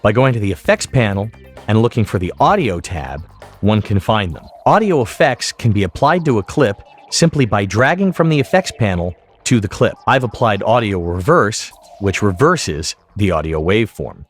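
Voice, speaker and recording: Lively-pitched low male tutorial narrator. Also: moderate pace, faint music behind. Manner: methodical, explanatory. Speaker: software tutorial instructor. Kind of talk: instructional screen-recording narration.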